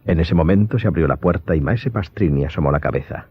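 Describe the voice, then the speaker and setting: A man's voice: very deep voice, fast talker, slightly rough. A man narrating a radio drama from a script in a dramatic storytelling style. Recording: dull recording with background music.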